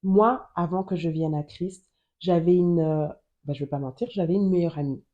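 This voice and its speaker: A woman's voice: lowish voice, normal speed, dull audio. A woman from Germany hosting a Christian podcast, giving an earnest personal testimony and Bible teaching, often repeating phrases for emphasis.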